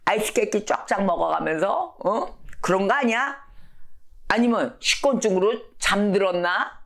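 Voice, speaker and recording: A woman's voice: medium pitch, steady tone, fast talker, natural voice. A woman preacher voicing a male prophet who mocks and taunts rival priests. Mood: mocking. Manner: sneering, teasing.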